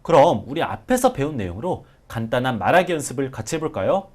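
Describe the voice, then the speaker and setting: A man teaching a language class, drilling example words slowly and clearly for his students. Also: medium pitch, sing-song, darkish tone. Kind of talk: classroom lesson.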